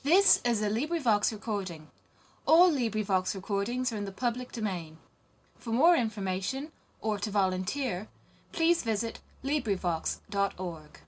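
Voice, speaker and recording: A woman's voice: mid-range voice, animated, moderate pace. A woman reading a scripted announcement for an audiobook recording.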